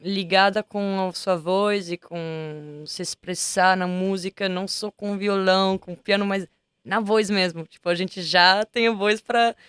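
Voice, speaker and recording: A woman's voice: medium pitch, steady tone, unhurried, a bit bright, smooth, dry recording. A woman, a singer being interviewed in a music studio, chatting casually and often restarting while she searches for words. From Italy. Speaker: guest singer.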